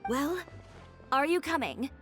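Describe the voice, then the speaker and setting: A proud young woman from a video game, speaking in a fairly high voice. She is curt, confident and sharp-tongued, with faint music behind her. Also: big pitch swings, slow pace, exaggerated voice. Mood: cool, determined.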